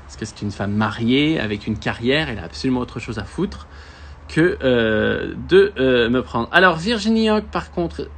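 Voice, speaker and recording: A man from France hosting a live comedy talk show, animated, playful and self-mocking. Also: medium pitch, normal speed, slight background noise. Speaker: host.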